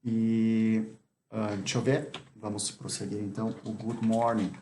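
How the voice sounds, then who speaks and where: A man teaching English in Portuguese, explaining greetings and slowly repeating each example phrase. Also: fairly low pitch, flat delivery, mellow, slight background noise.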